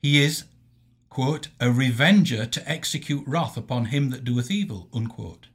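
Husky-voiced man reading a formal lecture. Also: mid-range voice, fairly bright tone. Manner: measured, didactic, emphatic enunciation of quotations. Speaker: Christian lecturer. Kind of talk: formal scripted theological lecture read aloud.

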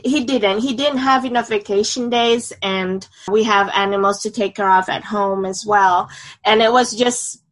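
A woman's voice: mid-range voice, steady tone, moderate pace, rough recording. A woman in her thirties from Indonesia, a guest on an interview podcast, speaking hesitantly with many filler sounds.

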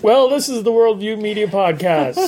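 A man's voice: sits high, a little mellow. A man hosting a podcast in casual chat, joking and playful with his co-hosts. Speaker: podcast host.

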